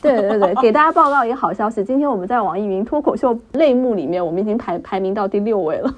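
A woman hosting a relaxed podcast, steering the conversation between her co-hosts. She talks very fast, with a middle-pitched voice. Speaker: podcast host. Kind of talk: casual chat.

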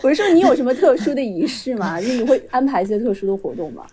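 A woman's voice: on the high side, very animated, racing, background noise. A woman hosting a casual podcast chat, steering the talk and putting questions to her co-hosts. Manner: guides the talk, asks the others questions. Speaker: podcast host.

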